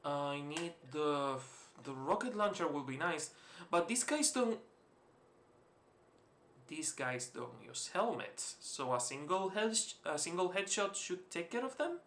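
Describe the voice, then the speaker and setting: Gaming host, male, Spanish-influenced accent, bright edgy voice, loose swearing play-along chatter. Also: on the high side, lively intonation, a little slow. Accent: mixed, Spanish-influenced. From Spain. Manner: rambling, swears freely, chuckles often. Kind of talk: casual let's-play commentary. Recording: roomy echo, faint hiss.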